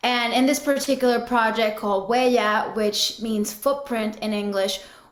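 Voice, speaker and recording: A woman's fairly high voice with fairly even intonation at a moderate pace, plus audible room echo. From Dominican Republic. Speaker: film writer and director. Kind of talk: interview.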